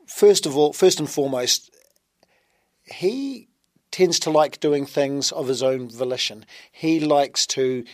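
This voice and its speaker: A male teacher talking in a relaxed interview, with a mid-pitched voice. He explains thoughtfully and often stops to fill pauses. The sound is close and dry. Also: no echo. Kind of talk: conversational interview.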